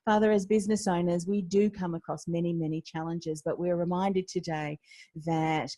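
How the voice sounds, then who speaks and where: A woman's voice: lowish voice, steady tone, moderate pace, mellow. A woman from Australia hosting an interview podcast, encouraging her guest and leading a short prayer. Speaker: podcast host.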